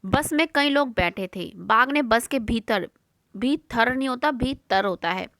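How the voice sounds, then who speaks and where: A woman teacher talks young children through a worksheet in a patient, repetitive way. She poses a question and answers it herself. Her voice sits a little high, and the recording is dry and close with no room sound. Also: lively intonation, normal speed, fairly bright tone, no room sound. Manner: patient, repeats words and asks questions then answers them.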